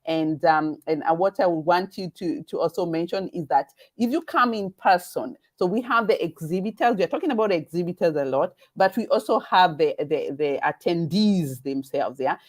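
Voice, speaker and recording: A woman with a Kenyan accent hosting a live webinar over a video call. She talks haltingly, with many fillers and restarts. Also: lowish voice, animated. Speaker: event host.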